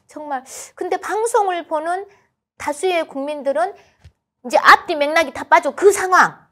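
A woman with a Jeolla accent speaks fairly slowly in an extremely high, bright, sharp, animated voice that is raised and projected. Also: ordinary pitch variation, quiet background. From South Jeolla, Korea (Muan); South Jeolla, Korea. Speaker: election candidate. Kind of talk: interview. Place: studio. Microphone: lapel.

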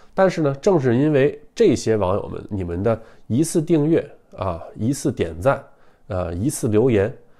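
A man speaks in a dark, mellow tone with very wide pitch swings. The background is quiet. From Beijing, China. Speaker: YouTuber commentator; channel host. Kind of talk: monologue to camera. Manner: frequent fillers and hesitations. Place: home room.

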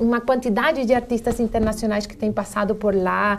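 A woman with a fairly high pitch and fairly even intonation. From South America, emigrated to Brazil as a child. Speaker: theatre company artist. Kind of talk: TV interview. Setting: TV studio. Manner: halting. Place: studio. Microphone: lapel.

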